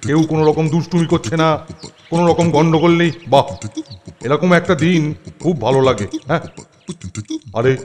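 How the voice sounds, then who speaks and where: An actor playing a fussy, easily flustered older school superintendent in a children's cartoon, blustering and repeating himself. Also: male voice, on the high side, a little fast, long pauses, darkish tone, a little hiss or hum, lightly acted. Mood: contented, musing. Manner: blustering, repeats words in agitation. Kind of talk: exaggerated children's cartoon acting. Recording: music bed behind the voice.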